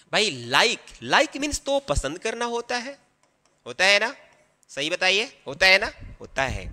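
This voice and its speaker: A male teacher gives a grammar lesson in a high, bright voice that swings widely in pitch. He explains each step slowly and keeps checking that his students are following. The sound carries a long, ringing reverb. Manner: explanatory, often checks in with the listener.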